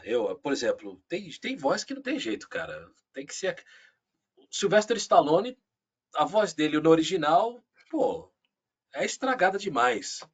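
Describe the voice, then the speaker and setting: A man with a Brazilian Portuguese accent, a voice actor chatting casually as an interview guest, animated and full of asides. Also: on the high side, husky. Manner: animated, frequent fillers and asides.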